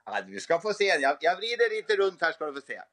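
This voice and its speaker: Middle-aged guy, slightly high voice, casual chat from home on a video call. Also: big pitch swings, sharp tone. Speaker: guest, moose park keeper. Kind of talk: casual live interview. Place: room at home, indoors. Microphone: phone video call.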